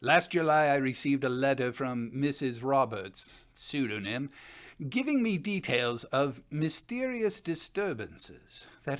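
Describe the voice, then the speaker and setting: A man playing an elderly learned physicist of 1914, giving a formal, measured dramatic reading of his chronicle. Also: mid-range voice, a bit bright, natural voice. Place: small room at home.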